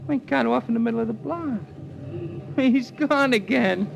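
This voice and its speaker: A brash Hollywood agent. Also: male voice, very high-pitched, normal speed, vocal fry, background noise, heavily acted. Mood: frantic. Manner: slangy, excitable. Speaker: talent agent. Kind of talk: 1940s radio acting. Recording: old radio drama with music.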